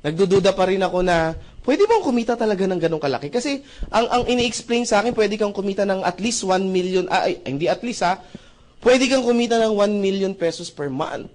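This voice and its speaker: A young man from the Philippines giving an animated testimonial at a seminar, acting out conversations and often asking the audience to agree. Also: high-pitched, brisk. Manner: acts out dialogue with shifting voices, asks audience often. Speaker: seminar speaker.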